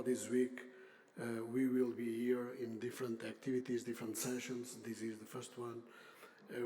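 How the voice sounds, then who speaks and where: Older man with a mellow, dark voice. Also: medium pitch, a little hiss or hum. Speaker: industry association CEO, panel speaker. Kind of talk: semi-formal unscripted conference speech.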